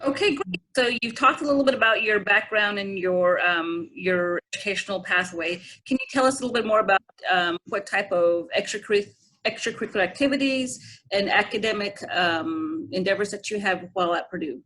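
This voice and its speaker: A woman's voice: medium pitch, brisk, bright, forceful tone, poor audio. A woman co-interviewer asking follow-up questions politely.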